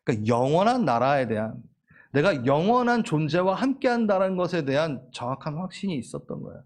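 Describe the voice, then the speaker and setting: A middle-aged male pastor delivering a sermon in a fairly high voice that swings widely in pitch. He is animated and playful, slipping into little acted-out quotes and laughing along with his own jokes. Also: a little fast.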